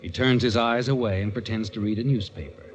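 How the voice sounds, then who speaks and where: A man's voice: fairly low pitch, brisk, muffled recording, a little hiss or hum, close to an everyday voice. A male actor as the sly, taunting narrator of a 1940s radio crime drama, addressing the character in a knowing, insinuating way. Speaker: host and narrator.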